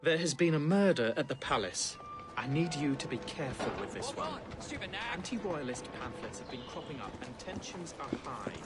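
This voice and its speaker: An actor playing a serious palace official who speaks in a grave, cautionary way. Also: male voice, medium pitch, very animated, normal speed, music in the background, lightly acted. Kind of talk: video game cutscene acting.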